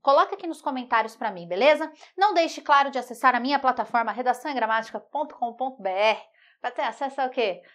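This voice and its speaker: Lively, teasing woman teacher. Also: high voice, fast. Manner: lively, teasing, talks straight to the student with rhetorical questions. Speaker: Portuguese writing teacher. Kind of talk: online video lesson.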